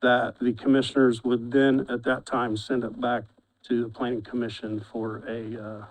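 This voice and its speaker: A man's voice: mid-range voice, level tone, low-quality recording. A man chairing a county commissioners' meeting, reading agenda items and restarting his sentences often. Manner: halting, repeats words when restarting. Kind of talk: formal meeting procedure.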